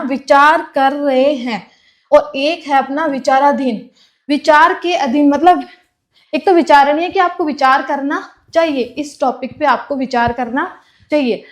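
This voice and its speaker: A woman teaches an exam-prep class. She repeats each term, then asks and answers her own questions. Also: high voice. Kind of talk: classroom lecture.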